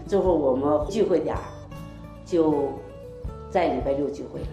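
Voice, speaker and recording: A woman's voice: low voice, moderate pace, dark tone. An older woman gives a heartfelt, rambling personal testimony full of quoted dialogue. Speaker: church member giving testimony. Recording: echoey room, faint music behind.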